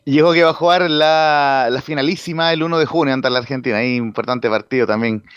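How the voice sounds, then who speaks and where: A man's voice: medium pitch, a little fast, fairly bright tone, clean tone, no echo, highs cut off. A man with a Chilean accent hosting a sports radio panel, talking casually with lots of fillers and restarts. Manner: hesitant, many fillers and restarts.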